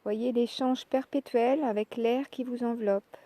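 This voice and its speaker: A woman leading a guided yoga relaxation, speaking calmly and in measured short phrases with pauses. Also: a little high, no room sound. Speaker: yoga nidra relaxation instructor. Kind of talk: guided meditation, soft instructional narration.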